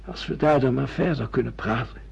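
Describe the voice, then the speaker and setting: An actor playing an irritable, disoriented husband who questions everything in a radio drama. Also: male voice, medium pitch, fairly quick, vocal fry, darkish tone, slight background noise. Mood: reluctant, questioning. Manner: querulous, questioning, exasperated. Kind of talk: radio play acting in Dutch. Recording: dull, muffled radio drama recording.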